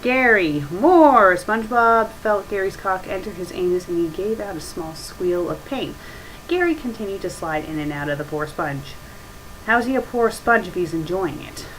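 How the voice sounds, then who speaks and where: A woman's voice: on the low side, expressive, normal speed, fairly bright tone. A woman casually reading aloud and critiquing as a web show host, blunt and nitpicking, recorded on a webcam microphone. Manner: blunt, nitpicking, mildly profane. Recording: noisy webcam microphone with ambient hiss.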